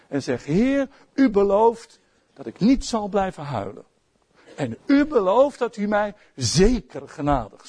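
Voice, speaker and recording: A middle-aged Dutch-accented man preaching with a lot of life. His voice sits high, and he moves from soft, quiet asides to loud, emphatic outbursts. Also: breathy edge. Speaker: pastor. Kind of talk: sermon.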